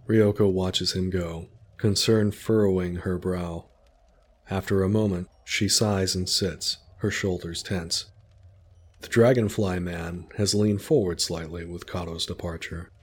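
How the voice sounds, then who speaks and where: A man narrating a story in a calm, descriptive way. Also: sits low, a little slow, breathy edge.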